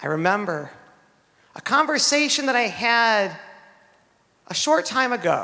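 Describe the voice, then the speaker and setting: With an American accent, a man projects a raised voice at an extremely high pitch, bright and sharp in tone, with very wide pitch swings. He speaks fairly slowly with long, frequent pauses against a quiet background. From US Midwest. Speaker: judge. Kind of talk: keynote speech. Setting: stage with audience. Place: hall. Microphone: handheld.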